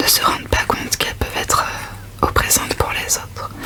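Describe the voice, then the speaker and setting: Someone whispers at a fairly slow pace in a calm tone, with noticeable background noise. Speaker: ASMR creator. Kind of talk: ASMR talk on stress and burnout. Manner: whispered; soft-spoken, calm.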